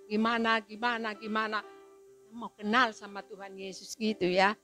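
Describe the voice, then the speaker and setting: A woman's voice: medium pitch, moderate pace, faint music behind. A woman in her seventies, giving an emotional spoken testimony to a congregation and acting out the people in her story. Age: 70s. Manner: emotional, storytelling, quotes people in lively voices. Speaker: church testimony speaker.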